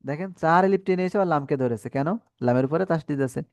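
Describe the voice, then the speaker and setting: A man leads a Quran recitation class, patiently spelling out letters and vowel marks, stretching syllables, asking questions and having students repeat after him. His voice is fairly high and fast, with no echo and soft music in the background.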